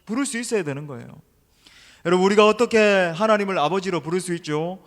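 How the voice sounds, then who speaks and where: A middle-aged man preaches with emphasis, turning again and again to address the congregation directly. His voice sits a little high for a man. The sound rings with the long reverb of a large church sanctuary. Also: fast. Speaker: senior pastor. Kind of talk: sermon. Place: church sanctuary during an evening service.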